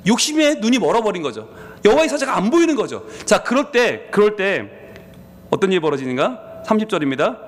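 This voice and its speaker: Give me a man preaching an animated sermon in a church with long reverb. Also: sits high. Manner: animated storytelling, asks the congregation questions. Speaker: pastor. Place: church sanctuary.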